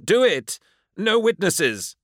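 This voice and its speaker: A ruthless gang leader, put on by a male narrator yells his orders in a raised, strained voice. He is impatient and harsh, pushing for the kill. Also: high-pitched, sing-song, slow pace, no echo, studio quality, voice pushed up, full character voice. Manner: barking, urgent commands.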